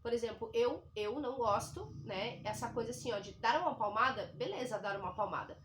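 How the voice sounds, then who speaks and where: A woman's voice: on the high side, animated, fairly quick, fairly bright tone, a little hiss or hum. Chatty southern Brazilian woman, frank. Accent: southern Brazilian Portuguese. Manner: chatty, frank, uses many fillers. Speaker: vlogger, single mother. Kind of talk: casual chat to camera.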